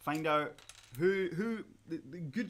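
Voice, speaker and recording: This man talks with a Scottish accent. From Scotland, east coast. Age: 30s. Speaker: museum staff presenter, live streamer. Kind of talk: casual live stream chat while building a model kit. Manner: casual, many fillers (um, you know).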